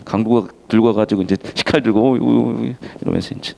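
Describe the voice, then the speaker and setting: A man teaching a literature class in a casual, lively way, acting out the characters' lines as he explains the story. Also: lowish voice, creaky. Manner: casual, animated, acts out characters' lines in quick asides.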